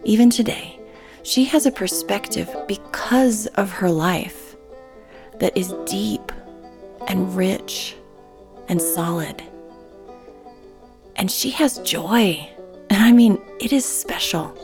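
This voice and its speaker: A woman hosting a podcast, earnest and soft-spoken, sometimes dropping almost to a whisper. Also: medium pitch, slow pace, pauses often, music in the background. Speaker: podcast host. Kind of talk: scripted intro, then gentle interview.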